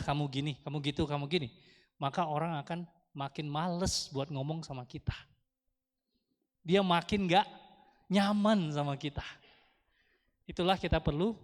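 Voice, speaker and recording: Male speaker with an Indonesian accent, higher than typical, chatty and engaging with the room, miked in a reverberant temple hall. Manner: lively, chatty, asks the audience questions. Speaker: Dharma talk speaker. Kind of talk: casual Dharma talk to a temple congregation. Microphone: handheld microphone through speakers.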